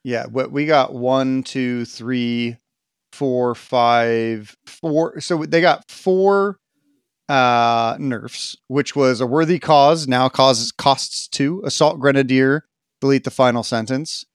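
A man co-hosting a casual gaming podcast, talking in an animated, sarcastic way. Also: mid-range voice, slow, smooth, dry recording, studio quality. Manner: animated, sarcastic, swings loud and quiet. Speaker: podcast co-host.

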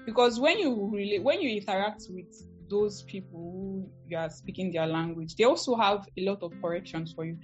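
A woman's voice: medium pitch, lively intonation, moderate pace, hardly any pauses, dull audio, faint music behind. A woman with a Nigerian accent, a language teacher answering interview questions earnestly with fillers like "as in". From Ebonyi, Nigeria. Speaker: podcast guest, Korean teacher.

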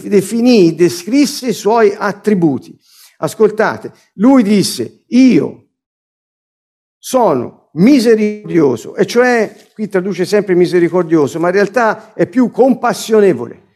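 A man's voice: sits high, a little mellow. A man preaching a sermon, explaining scripture line by line and restating its words as he goes.

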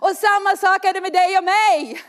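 A middle-aged woman preaching a passionate sermon, moving between soft, slow passages and loud, lifted ones, with a humorous aside. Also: very high-pitched.

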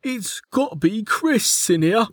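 A narrator voicing Mig, a teasing, slow-witted young male guard who insists on a conspiracy. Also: medium pitch, expressive, dry recording, studio quality, pitched above the performer's own voice. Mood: insistent. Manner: teasing, stubborn conspiracy talk.

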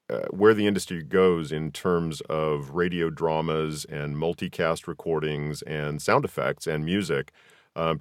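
A man's voice: rumbling low, dry recording, clean studio sound. A man hosting a podcast, speaking conversationally as he interviews guests.

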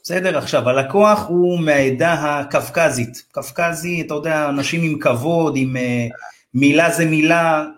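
In a podcast interview, a real estate advisor from Israel's Ethiopian community tells a story casually, with slang and lots of energy, calling the listener "bro." He acts out the quoted dialogue in raised voices. His voice sits a little high, and there's a slight hiss or hum.

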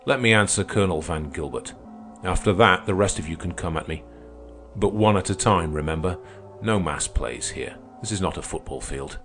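A man voicing a fiery young male revolutionary, speaking with forceful, declamatory conviction. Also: low-pitched, moderate pace, faint music behind. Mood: commanding. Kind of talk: audiobook character reading.

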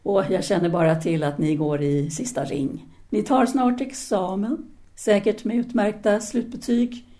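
A woman's voice: medium pitch, dark tone, natural voice. An actress playing a self-assured, independent-minded French woman teacher in a 1930s audio drama, speaking formally and didactically. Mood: approving. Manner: formal, articulate, didactic, with hesitant pauses.

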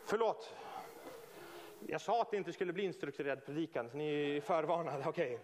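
A man preaching a lively, informal sermon in a church hall, joking and acting out scenes. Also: on the high side.

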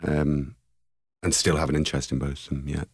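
Very deep-voiced reflective man. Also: level tone, husky, dry recording, studio quality. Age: 40s. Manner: thoughtful, searching, with pauses and restarts. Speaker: artist guest. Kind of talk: reflective interview talk.

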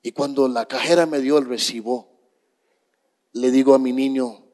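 A middle-aged man, a pastor, slowly telling a story in a sermon to his congregation. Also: mid-range voice, fairly even intonation, darkish tone. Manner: slow, dramatic storytelling to a congregation. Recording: long reverb of a church hall.

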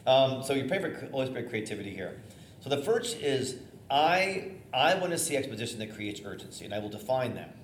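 A middle-aged man, a theater-trained bishop with a loud voice, teaching preachers in a conversational, energetic way with fillers and restarts. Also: mid-range voice, a little fast. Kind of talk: informal teaching talk on preaching. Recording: echoey room, faint noise.

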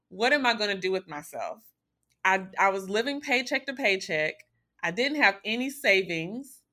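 Bright-voiced woman telling a candid story. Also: mid-range voice. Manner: candid, self-deprecating, conversational.

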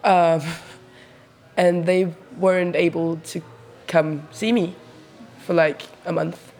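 A man's voice: a little high, flat delivery, slow, a little mellow, soft background music. A man in a street interview telling a hesitant, rambling personal account.

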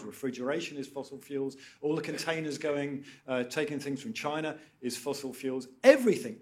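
Emphatic man arguing on a panel. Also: mid-range voice. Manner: emphatic, swings sharply in loudness for stress. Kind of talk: debate argument.

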